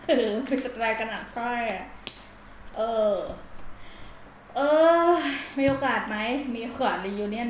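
A woman's voice: a little high, a little hiss or hum. A woman doing a casual tarot reading, speaking bluntly and in slang as she dramatically acts out the listener's feelings. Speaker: tarot reader. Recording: roomy echo.

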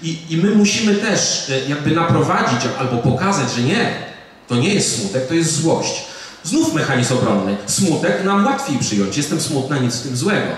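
A man's voice: on the high side, sing-song, normal speed, a little hiss or hum. A middle-aged man, a psychiatrist, giving a public lecture in a conversational way, often asking his audience "right?". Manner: conversational, with fillers and rhetorical "prawda?". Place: audiovisual hall of a museum. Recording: echoey hall, speaker far from the mic.

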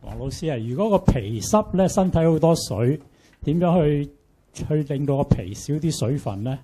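Husky audience man, asking off-mic. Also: a little high, animated, moderate pace, mellow. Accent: Hong Kong Cantonese. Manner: hesitant questioner. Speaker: audience member.

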